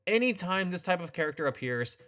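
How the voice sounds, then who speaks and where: Man, video essay host, scripted commentary, opinionated, wry, soft music behind. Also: high-pitched, animated, fairly quick.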